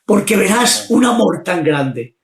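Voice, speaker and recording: A man preaching fervently, often shouting his exclamations. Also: sits high, sing-song, unhurried, roomy sound. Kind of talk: impassioned preaching.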